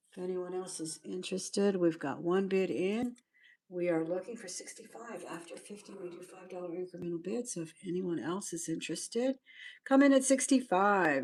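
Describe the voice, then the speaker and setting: Quiet and mumbling, the speaker keeps a moderate pace with lively intonation. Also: woman. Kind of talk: live stream auction. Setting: live stream on camera. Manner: quiet, low-key.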